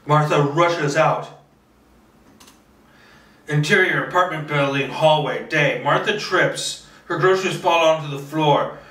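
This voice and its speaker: Casting: male script reader, higher-pitched, unhurried and halting, casual asides, roomy sound. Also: pushed and bright. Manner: halting, thinking aloud. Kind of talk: screenplay table read with casual asides. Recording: roomy, distant microphone.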